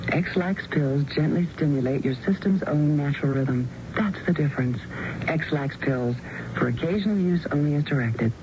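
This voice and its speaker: Male radio ad announcer, raised pitch, dull sound with clear noise. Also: moderate pace. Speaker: commercial announcer. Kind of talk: scripted radio advertisement. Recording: muffled, noisy old radio broadcast.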